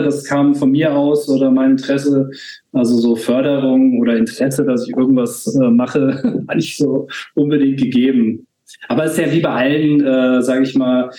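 A man's voice: medium pitch, dark tone. Hesitant man in a roomy space. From Germany. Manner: hesitant, many fillers and restarts. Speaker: podcast guest. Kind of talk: casual conversation.

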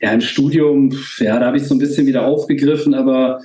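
A man in his forties from Germany talks as a podcast guest, pausing often and restarting his sentences. His voice is mellow and dark. The room around him is noticeably echoey. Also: mid-range voice, fairly even intonation. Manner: hesitant, many fillers and restarts. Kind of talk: casual conversation.

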